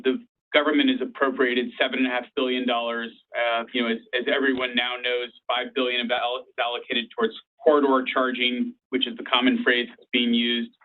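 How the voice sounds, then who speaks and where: A man speaking as a company executive, giving an informal explanatory answer on an earnings call. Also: medium pitch. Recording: tinny narrow phone line.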